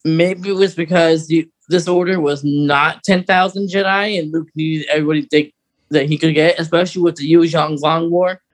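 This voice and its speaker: A man's voice: on the high side, fairly even intonation, moderate pace. A man co-hosting a podcast, chatting casually and informally as an enthusiastic fan of sci-fi books. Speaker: podcast co-host.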